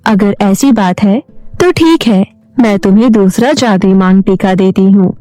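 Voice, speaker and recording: Lady doing a calm helpful goddess in a cartoon tale, mellow soft-edged voice, music behind. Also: mid-range voice, measured pace, no echo, pitched below the performer's own voice, natural voice. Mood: calm, instructing. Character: kindly, calm water goddess who helps the wronged.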